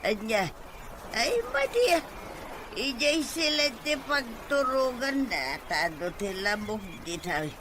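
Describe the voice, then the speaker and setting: Fussy elderly grandmother, played by an actor, wildly swinging high pitch, dragging pace, noisy recording. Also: very animated. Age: older. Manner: halting, many hums and interjections. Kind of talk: Ilocano audio drama acting.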